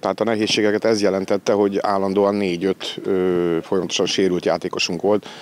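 With hardly any pauses, a man speaks at a fairly quick pace in a fairly low pitch, his intonation monotone and flat, his loudness very even, and the sound dry with no echo. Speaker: football coach. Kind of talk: interview. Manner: halting. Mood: calm, satisfied. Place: open country. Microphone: handheld.

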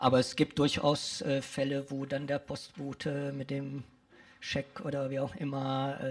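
Monotone, flat delivery from a man at a very slow pace, with noticeable background noise. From Rhineland, western Germany. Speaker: political communication expert. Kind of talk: radio interview.

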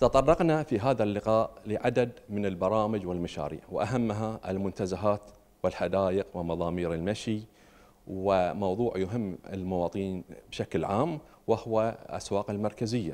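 The man's fairly low voice moves at a fairly slow pace, and his pitch varies in an ordinary way. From Bahrain. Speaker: government official. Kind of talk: formal interview statement. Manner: formal. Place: meeting room. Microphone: handheld.

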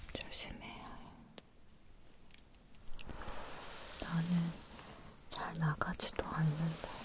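A soft-spoken woman whispering at a very slow pace, dry sound with no echo, noticeable background noise behind her. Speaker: ASMR creator. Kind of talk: soft casual chat to the viewer. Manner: soft intimate ASMR whisper. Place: home room.

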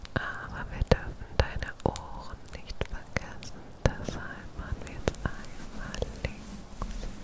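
Whispering and soft-spoken, a woman speaks at a very slow pace. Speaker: ASMR creator. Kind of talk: soft-spoken ASMR roleplay. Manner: soft close-mic ASMR whisper. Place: home room. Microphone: studio mic.

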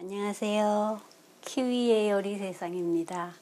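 Her pitch varying in an ordinary way, a woman speaks. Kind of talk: cooking tutorial. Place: kitchen. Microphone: lapel.

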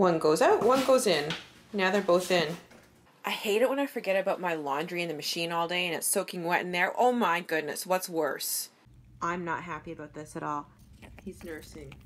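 This woman has a plain, everyday voice, fairly low in pitch with ordinary pitch variation. She talks at a moderate pace, and her loudness swings widely. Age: 30s. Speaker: fitness vlogger and CrossFitter. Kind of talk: vlog narration.

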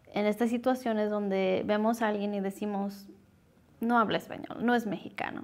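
In a normal speaking voice, a woman talks at a moderate pace with fairly high pitch and fairly even intonation. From California. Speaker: community TV interviewer. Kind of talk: interview. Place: studio. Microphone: lapel.

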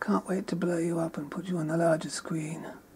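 Someone whispers quietly in a gentle tone at a moderate pace. Light background noise is present. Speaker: amateur wildlife filmer. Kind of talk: casual talk to camera, soft whispered narration to an animal. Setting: night in a shed, handheld recording. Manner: quiet, whispering, gentle. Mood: affectionate, playful. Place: garage. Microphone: phone near.

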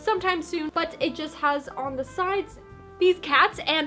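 A woman uses a raised, projected voice at a fairly slow pace, with ordinary pitch variation. Faint music plays in the background. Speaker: fashion vlogger. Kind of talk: casual vlog chat. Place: home room. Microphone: camera far.

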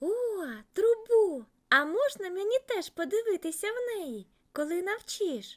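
A woman's put-on character voice, raised and projected, at an extremely high pitch and a fairly slow pace. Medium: read story. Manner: enthusiastic, admiring.

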